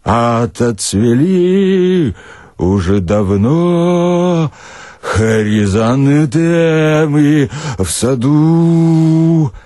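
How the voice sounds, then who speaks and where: Man acting a ragged tramp admiral, thin high voice, loud, boisterous, storybook character. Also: expressive, very slow, no room sound, studio quality. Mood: singing shrilly. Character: ragged, boisterous street tramp playing admiral, singing shrilly.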